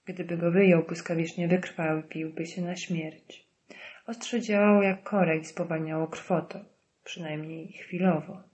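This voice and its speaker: Lowish female audiobook narrator. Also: steady tone, unhurried, darkish tone, lo-fi sound. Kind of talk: scripted narration.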